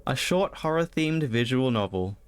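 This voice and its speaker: A man livestreaming a horror game, moving between casual chat with viewers and reading story text aloud, often halting and repeating words when he chats. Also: medium pitch, lively intonation, clean tone, no echo. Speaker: livestreamer, host of a spooky game stream.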